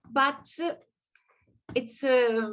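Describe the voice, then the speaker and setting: With an Italian accent, a woman speaks at a very slow pace. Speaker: participant in group discussion. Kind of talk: casual group discussion. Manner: halting.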